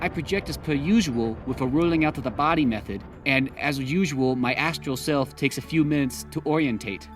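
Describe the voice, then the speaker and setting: A man in his thirties with a Singaporean accent, calmly recounting a personal experience as a guest. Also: medium pitch, a little fast, few pauses, soft background music. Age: 30s. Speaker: guest storyteller.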